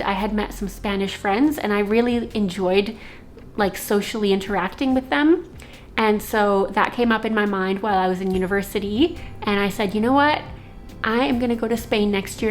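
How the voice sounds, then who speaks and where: A young woman born in Slovakia, a native Slovak speaker, telling a rambling personal story as a vlogger, with many fillers. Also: mid-range voice. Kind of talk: casual storytelling.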